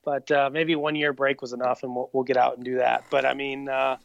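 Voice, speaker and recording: Gravelly-voiced man in his late thirties. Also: medium pitch, level tone, a little fast, no echo, muffled recording. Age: 30s. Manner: easygoing, rambling with frequent fillers. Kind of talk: casual chat.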